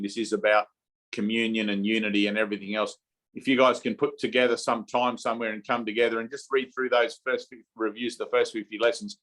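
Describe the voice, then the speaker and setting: A man's voice: on the low side, fairly bright tone. A man leading an informal spiritual teaching session over a video call, often checking in with his listeners with "okay?" and "right?".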